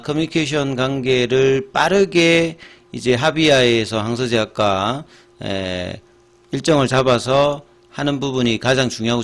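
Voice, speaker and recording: A man's voice: medium pitch, gravelly. A middle-aged man giving casual commentary on stocks, explaining step by step with many fillers and restarts. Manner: explains with frequent fillers and restarts, steady and methodical.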